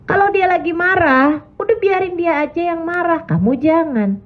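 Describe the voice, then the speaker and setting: A middle-aged woman preacher giving casual religious advice to wives, telling stories lively and acting out the quotes. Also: extremely high pitch, moderate pace. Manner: lively storytelling, acts out quotes. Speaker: Islamic preacher. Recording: tinny phone-like sound.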